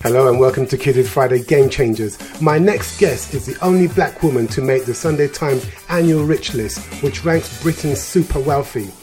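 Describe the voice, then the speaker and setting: A man hosting a radio interview show, reading polished introductions and asking questions in a measured way. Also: mid-range voice, over music.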